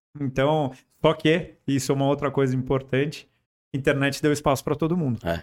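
Using a normal speaking voice, a man talks at a fairly quick pace with a fairly high pitch and fairly even intonation. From São Paulo city, Brazil. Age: 40s. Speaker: car enthusiast and project car builder. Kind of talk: casual interview chat.

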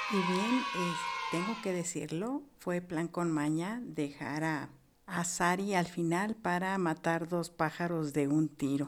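A woman speaks at a very slow pace with ordinary pitch variation. Background noise is noticeable. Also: fairly low pitch for a woman. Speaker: podcast host, preschool teacher and educational advisor. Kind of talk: casual chat. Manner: animated.

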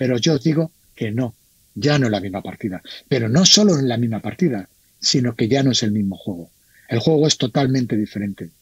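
In a dry, close recording with no echo, a man with a medium pitch speaks with lively intonation and a somewhat breathy sound. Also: fairly quick pace. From Spain. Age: 50s. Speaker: entrepreneur. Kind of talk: interview. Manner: animated.

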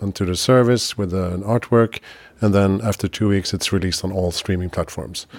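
The speaker has a Swedish accent, keeps a moderate pace, and uses fairly even intonation. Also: man. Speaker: podcast host. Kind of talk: interview. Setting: on location at guest's office.

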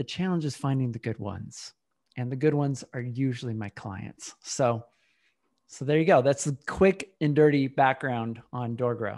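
A man speaks in an ordinary speaking voice at medium pitch and a moderate pace, with ordinary pitch variation. The sound is dry and close with no echo, against a quiet background. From Utah. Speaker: business coach for property managers. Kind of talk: interview.

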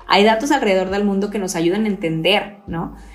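Amid audible room echo, a woman talks at a very fast pace, her pitch medium and her intonation fairly even. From Mexico, Monterrey. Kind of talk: interview.

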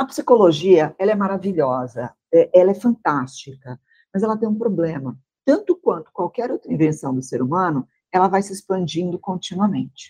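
A woman speaks at a moderate pace in a medium pitch, her voice swinging very widely up and down. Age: 50s. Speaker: digital transformation consultant. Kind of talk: casual interview.

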